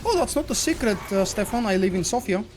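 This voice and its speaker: A man's voice: high-pitched, quick pace, faint music behind. A man from Bulgaria with a Bulgarian accent, casually chatting with viewers while streaming a game. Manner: relaxed, rambling, answers chat between fights. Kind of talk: live gameplay commentary, chatting with viewers.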